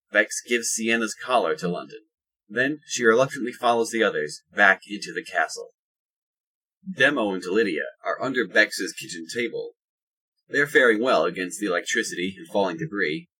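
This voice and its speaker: A man reading scripted third-person narration for an audio drama in a husky voice. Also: on the low side, sharp tone, poor audio.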